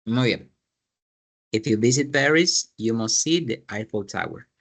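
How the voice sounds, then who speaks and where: A man's voice: medium pitch, expressive, slow pace, a bit bright. A man teaching an English class, explaining grammar in Spanish, repeating his students' sentences and asking guiding questions.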